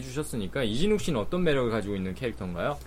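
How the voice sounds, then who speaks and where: A man is speaking. His tone is animated. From Gyeongsang region, South Korea. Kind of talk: casual chat with dialect demonstration. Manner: animated, laughs often.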